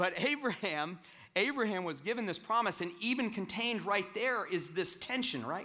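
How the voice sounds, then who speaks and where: A man's raised, projected voice, high in pitch and bright, sharp in tone, at a moderate pace with ordinary pitch variation. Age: 40s. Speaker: pastor. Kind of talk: sermon. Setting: church service with congregation. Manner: casual, conversational with filler words.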